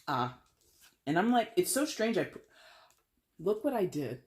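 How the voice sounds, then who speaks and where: Woman tarot reader with a fairly deep voice, chatty and animated, talks in loose run-on phrases. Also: a little slow. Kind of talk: casual tarot reading monologue.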